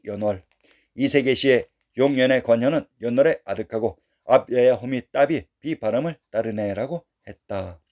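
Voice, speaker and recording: A man's voice: mid-range voice, mellow. A man giving scripted history narration, reading long lists of place names in an earnest, insistent lecturing tone.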